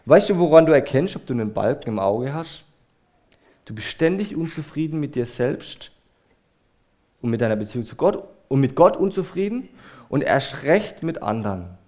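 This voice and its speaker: A man preaching a sermon, earnest and emphatic, speaking straight to his listeners and letting many phrases fall quiet at the end. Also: mid-range voice, sing-song, normal speed.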